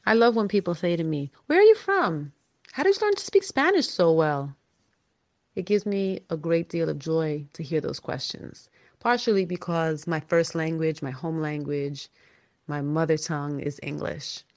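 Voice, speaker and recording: A woman from New York, telling her own story in an earnest, measured way. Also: low voice, animated, darkish tone. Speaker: podcast guest. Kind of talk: personal storytelling, read aloud.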